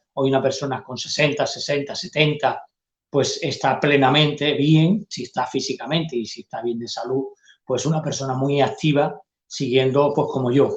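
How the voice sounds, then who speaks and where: Somewhat breathy and fairly high-pitched, a man speaks at a moderate pace with fairly even intonation. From Andalusia, Huelva. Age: 60s. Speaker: poet and theatre teacher. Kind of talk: interview.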